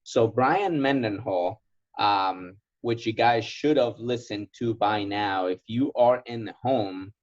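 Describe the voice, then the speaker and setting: A man with a fairly low voice and native Spanish, originally from Ecuador. He coaches informally as a sales trainer, driving points home by repeating them. The audio is somewhat dull and muffled. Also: takes it slowly. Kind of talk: informal coaching in a question and answer session.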